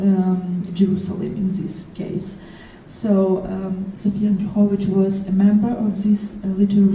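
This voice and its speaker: Audible echo of a room and noticeable noise behind a woman's voice. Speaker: literary center director. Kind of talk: public talk at literary event. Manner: halting.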